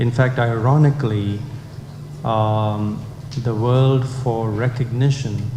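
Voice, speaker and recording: Over noticeable background noise and audible room echo, a man talks very slowly with fairly even intonation. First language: not English. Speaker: conference panelist. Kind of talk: panel discussion. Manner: halting, many fillers.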